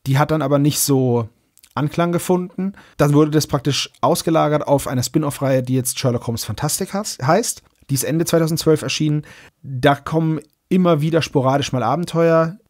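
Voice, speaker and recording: Husky-voiced male podcast host. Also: fairly high pitch, normal speed, darkish tone. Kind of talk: casual podcast chat and announcements.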